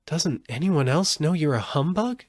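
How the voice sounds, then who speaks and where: A man's voice: fairly high pitch, lively intonation, unhurried, a little mellow, no room sound, clean studio sound, voice pushed up. A man reading a storybook aloud as an earnest, questioning young girl.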